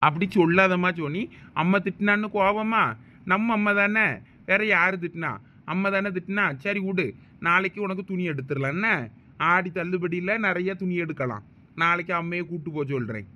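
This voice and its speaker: A man's voice: very high voice, brisk, bright, forceful tone. A man voicing a stern but doting village father in a cartoon, with a Thoothukudi Tamil accent. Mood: coaxing. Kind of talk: cartoon voice acting.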